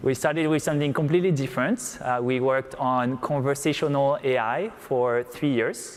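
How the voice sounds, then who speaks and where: Speaking in a French accent, a man holds a medium pitch with fairly even intonation. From France. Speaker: tech startup co-founder. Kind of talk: on-stage interview. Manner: hesitant with fillers.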